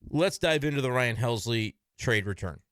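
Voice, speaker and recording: A man's voice: mid-range voice, animated, normal speed, fairly bright tone, dry recording, clean studio sound. A man giving casual, frank solo commentary on his baseball team from his computer desk, talking in an opinionated, conversational way.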